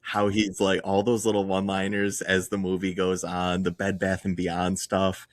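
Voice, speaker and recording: A man's voice: sits low, monotone, moderate pace, dry recording, studio quality. A man co-hosting a casual movie podcast, laid-back and amused. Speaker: podcast co-host.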